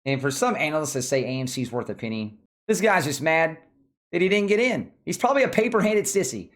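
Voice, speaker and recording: A man's voice: a little high, sing-song, fast, fairly bright tone. A man hosting casual stock market commentary in an informal, opinionated, colloquial way. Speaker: stock video host.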